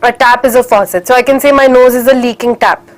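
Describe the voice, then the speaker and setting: High-voiced Indian English woman teaching. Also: fairly even intonation, quick pace. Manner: encouraging, mixes English with Hindi phrases. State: slightly stuffy with a cold. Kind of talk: live online class for children.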